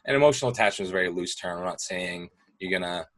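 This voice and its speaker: A young man casually explaining gaming on a call, relaxed and explanatory, with plenty of fillers. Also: low-pitched, fast. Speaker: guest speaking about gaming. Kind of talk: casual video call discussion.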